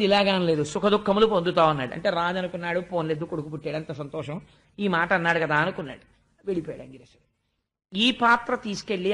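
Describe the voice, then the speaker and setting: Give me a bright, sharp-voiced man giving a devotional discourse and chanting verses. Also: high voice. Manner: storytelling, chants verses in a sing-song lilt. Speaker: spiritual discourse speaker.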